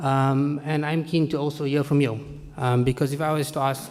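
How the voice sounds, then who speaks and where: Flat and monotone, a man with a fairly high pitch speaks amid audible room echo. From South Africa. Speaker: digital media executive. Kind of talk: conference talk. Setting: stage with audience. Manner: fast.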